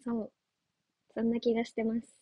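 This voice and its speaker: A woman's voice: on the high side, monotone, normal speed, mellow, breathy edge, no room sound. A young woman chatting casually on a livestream as an idol trainee, giggly and playful as she answers viewer comments. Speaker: idol trainee streaming live.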